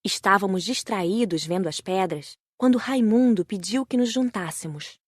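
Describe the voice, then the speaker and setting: A woman's voice: mid-range voice, moderate pace, dry recording, clean studio sound. A woman with a Brazilian accent reading a scripted first-person audiobook narration.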